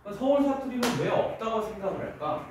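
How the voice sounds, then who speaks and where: A male high school teacher giving a casual classroom lecture, asking students questions and bantering with them. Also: expressive, fast, background noise. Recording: echoey classroom from far off.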